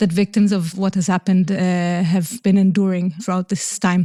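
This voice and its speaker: A woman's medium-pitched voice with an Israeli accent, a dark, mellow tone, a moderate pace and fairly even intonation, in a very clean recording with a silent background. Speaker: humanitarian legal advisor. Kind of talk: podcast interview.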